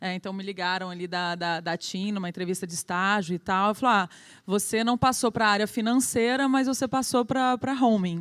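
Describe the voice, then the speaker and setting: A woman talks at a moderate pace and medium pitch with fairly even intonation. The recording is very clean, with a silent background. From Brazil, Goiânia. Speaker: keynote speaker, presenter and entrepreneur. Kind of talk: conference keynote talk. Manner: casual with many fillers.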